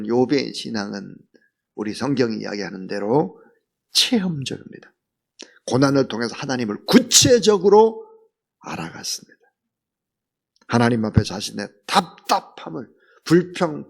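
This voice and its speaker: A man preaching an early-morning sermon as pastor, earnest and full of rhetorical questions, swinging from loud emphasis to near whisper. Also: medium pitch, creaky, breathy edge.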